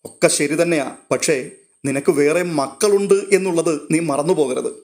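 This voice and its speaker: A man reads as a kindly old grandfather in a storybook, slow, patient and soothing. His voice sits a little high and stays warm but firm. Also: close to an everyday voice. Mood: steady. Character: old grandfather, calm and gently protective.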